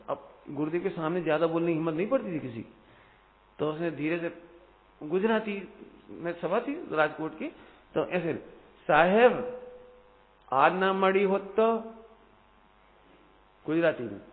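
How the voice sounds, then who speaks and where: A man giving a devotional discourse to a hall audience, animated and questioning his listeners, rising to loud emphatic peaks. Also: fairly high pitch. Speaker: Jain discourse speaker. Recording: phone-like audio in a reverberant hall.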